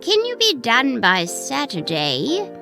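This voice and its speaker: A woman's voice: fairly high pitch, huge pitch swings, slow, creaky, voice pushed up, full character voice. A woman voicing a cheerful, fussy male weasel in a children's story, polite and gushing, with music playing behind. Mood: delighted, eager.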